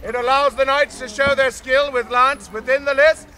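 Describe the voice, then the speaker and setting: A man's voice: very high-pitched, fairly even intonation, moderate pace, bright, forceful tone. A man playing a pompous joust herald, declaiming grandly and formally in olde renaissance fair speech. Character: pompous male herald announcing a knights' joust. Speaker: joust announcer. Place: outdoor fair arena. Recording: outdoor crowd noise.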